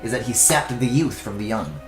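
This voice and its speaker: A man's voice: lowish voice, sing-song, fairly quick, reverberant, faint music behind. A young man streaming himself drawing, chatting casually, swearing and trailing off mid-thought. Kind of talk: casual chat while drawing.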